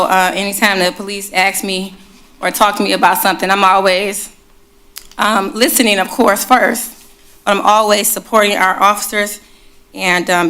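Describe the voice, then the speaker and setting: A woman chairing a city council meeting, talking to the room in a chatty way and reading a proclamation at a desk microphone in a council chamber. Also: medium pitch. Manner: chatty, warm asides to the room. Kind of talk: presiding over a public meeting, reading a proclamation.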